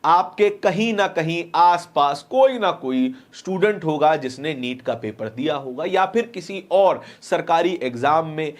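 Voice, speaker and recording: High-voiced man presenting political news commentary.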